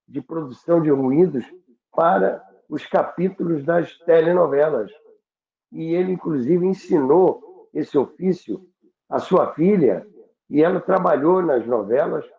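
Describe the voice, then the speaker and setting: Over an echoey, narrow, phone-like line, a Brazilian man with a slightly high voice recalls broadcasting history in unscripted talk. As a radio history commentator and guest, he explains slowly and didactically, halting and restating his points again and again.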